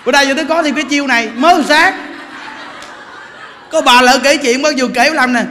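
A Buddhist monk giving an animated sermon, joking as he tells stories and addresses the audience directly. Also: very high-pitched, a little fast, long reverb tail, noisy background. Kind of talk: lively sermon.

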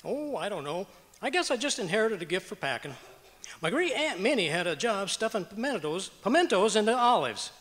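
In an echoing auditorium, a man plays a bumbling, boastful radio comedy husband. His voice is high and swings widely as he cracks folksy jokes in 1940s style. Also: big pitch swings, brisk, a bit bright. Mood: sheepish, cheerful. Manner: folksy, wisecracking. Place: auditorium stage, live performance. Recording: reverberant auditorium stage.

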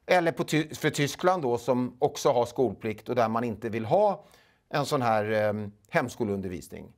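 A man in his forties with a Swedish accent, a guest in a studio interview, speaking haltingly with many filler sounds on a lapel mic. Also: mid-range voice, lively intonation. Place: small studio.

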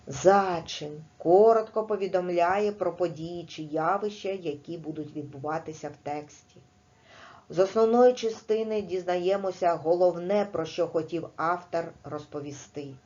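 A woman teaching a primary school class in a recorded video lesson, explaining slowly and clearly with patience. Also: on the low side, dark tone, muffled recording.

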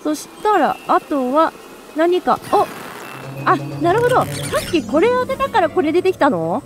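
A woman streamer giving excitable, chatty commentary while playing a video game, full of quick exclamations. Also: very high-pitched, music in the background. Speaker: let's play streamer. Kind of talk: live gameplay commentary.

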